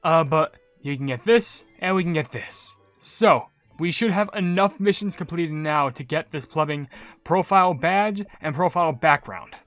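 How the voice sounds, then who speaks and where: A man giving excited, casual game commentary in a rambling, emphatic way as a video creator. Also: fairly high pitch, moderate pace, no room sound, soft background music.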